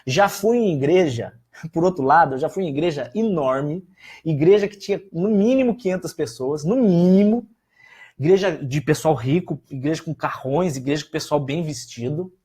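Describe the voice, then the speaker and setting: A man's voice: fairly high pitch, normal speed, breathy edge. A man, a pastor with a Brazilian Portuguese accent, talking casually and emphatically to his viewers. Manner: animated, emphatic, scolding.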